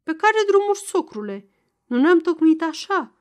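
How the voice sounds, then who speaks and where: A woman's voice: high voice, sing-song. A woman voicing an ambitious young peasant son-in-law who speaks in a tense, pleading way. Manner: tense and pleading, then threatening.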